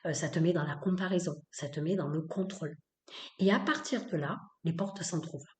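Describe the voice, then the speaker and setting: Female podcast host, low mellow voice, blunt and emphatic, echoey room. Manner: emphatic, repetitive, with many fillers; blunt, opinionated. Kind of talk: spoken-word episode.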